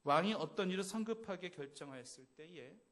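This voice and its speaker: A male pastor preaching a sermon with a fairly high voice. His phrases rise and swell with emphasis. Now and then he teases the congregation in a playful way. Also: lively intonation, brisk. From Seoul. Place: church service.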